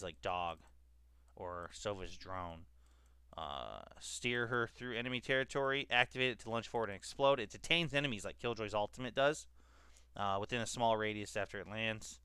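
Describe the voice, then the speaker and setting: A man's voice: fairly low pitch, sharp tone, clear, resonant tone, no echo. A young man with a stuffed-up cold, chatting casually about a game and reading out ability text with lots of fillers. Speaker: gaming YouTuber and esports journalist. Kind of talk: casual gaming commentary to camera.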